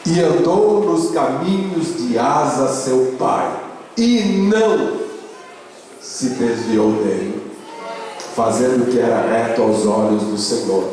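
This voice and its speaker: A man's voice: medium pitch, a little mellow, slight background noise. A man preaching a sermon as pastor, with a Brazilian Portuguese accent, emphatic and repetitive, calling out hallelujah between points. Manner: slow, emphatic preaching with repeated refrains and calls of hallelujah. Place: church sanctuary. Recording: echoey church hall, long reverb.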